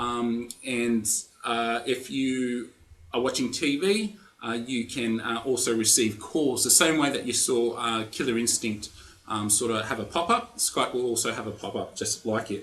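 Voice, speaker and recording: This man has a medium pitch and speaks with an Australian accent. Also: ordinary pitch variation, fairly slow pace. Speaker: gaming video creator. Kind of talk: tutorial. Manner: hesitant, many fillers.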